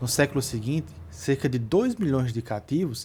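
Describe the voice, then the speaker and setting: Fairly slow, somewhat breathy speech from a man at medium pitch, dark and mellow in tone with lively intonation, on a very clean recording with a silent background. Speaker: audiobook narrator. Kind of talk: reading aloud; casual chat. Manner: stutter.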